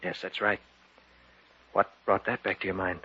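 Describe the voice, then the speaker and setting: A man's voice: low voice, flat delivery, normal speed, breathy edge. An actor playing a young man who narrates his own eerie tale, speaking earnestly in 1940s radio style. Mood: casual. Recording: dull old radio broadcast with music.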